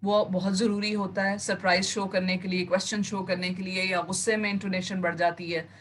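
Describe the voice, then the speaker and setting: A woman teacher lectures over a video call in a steady mid-range voice. She explains patiently and often drops English terms into her Urdu. Faint noise hums behind her. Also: medium pitch, a little fast. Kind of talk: online class lecture. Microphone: computer mic on a video call.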